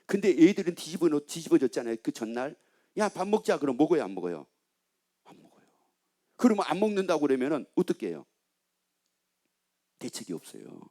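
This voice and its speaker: A middle-aged man preaching a sermon in a fairly high voice that leaps up and down. He quizzes the congregation and answers his own questions. He slips into the voice of a scolding father. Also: brisk, pauses often. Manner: animated, acts out a scolding father's lines; asks the congregation questions and answers them himself. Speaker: pastor.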